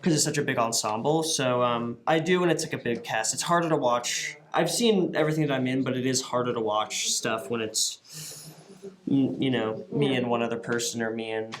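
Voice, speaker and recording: A man's voice: mid-range voice, moderate pace. Laid-back young man, hesitant. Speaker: actor guest. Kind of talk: casual press interview.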